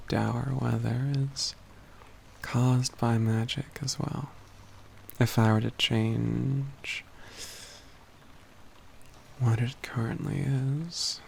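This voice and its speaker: A man performs a proud, learned male mage in an ASMR fantasy roleplay. He speaks slowly and formally in a gravelly, even voice, with a dry, teasing composure. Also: mid-range voice, slight background noise. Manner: measured, formal old-fashioned wording, dryly wry.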